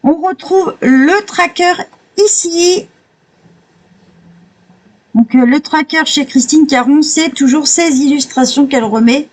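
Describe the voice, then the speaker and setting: A woman with a mellow, warm voice talks her way through a coloring book, page by page. Her voice sits a little high, and she keeps stopping to gush in admiring little exclamations. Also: slow, long pauses, poor audio. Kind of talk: casual flip-through commentary.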